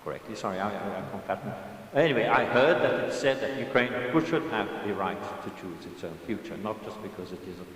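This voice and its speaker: A man's voice: lowish voice, a bit bright. A man in his seventies, an audience member making a rambling, digressive comment at a lecture, talking without a microphone. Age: 70s. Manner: digressive, halting, with many restarts and asides. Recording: echoey hall, voice from far off.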